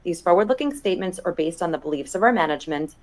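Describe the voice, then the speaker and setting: Low-voiced woman reading a corporate statement. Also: expressive, fast, over a noisy crowd. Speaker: investor relations executive. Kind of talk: formal scripted corporate reading. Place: earnings conference call.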